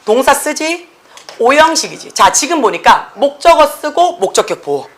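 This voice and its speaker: Teacher with tag questions, slightly high. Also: female voice, normal speed. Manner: lively, tag questions after nearly every sentence, acts out students' replies. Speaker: middle-school English teacher. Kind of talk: classroom lecture. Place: classroom.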